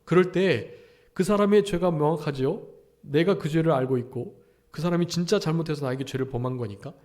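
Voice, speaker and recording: A man's voice: a little high, a little fast, darkish tone. A male pastor preaching a Sunday afternoon sermon at a church service, often asking the congregation rhetorical questions.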